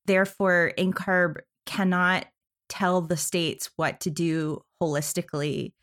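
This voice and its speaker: Lower-voiced woman hosting an interview. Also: level tone, takes it slowly, a bit bright. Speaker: podcast co-host.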